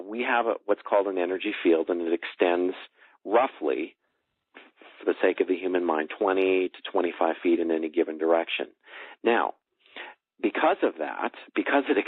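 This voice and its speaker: Low, husky man on a phone line. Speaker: interview guest, energy healer. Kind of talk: explanatory talk in a phone interview. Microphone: telephone. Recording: tinny phone line, roomy echo.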